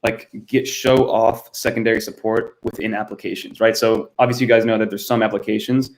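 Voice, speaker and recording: A man's voice: lowish voice, level tone, fairly quick, rough recording. A young man from Miami hosting his first live stream, chatting casually and answering viewers by name, recorded on a built-in camera mic in a cluttered home room. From United States (Miami, Florida).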